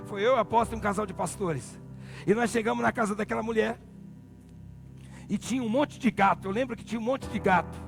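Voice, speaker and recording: A male pastor with a Brazilian accent preaching a sermon, swinging from low murmurs to loud shouted peaks. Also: brisk, vocal fry. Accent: Brazilian Portuguese. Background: music.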